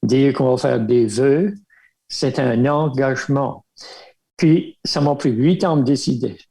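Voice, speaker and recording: An older Acadian man from Baie Sainte-Marie, with a gravelly, mellow voice. He reminisces in an easygoing way, breaking his sentences with fillers and light chuckles. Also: medium pitch, measured pace. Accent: Acadian French from Baie Sainte-Marie. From Baie Sainte-Marie, Nova Scotia. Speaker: guest, religious brother. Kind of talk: casual storytelling interview.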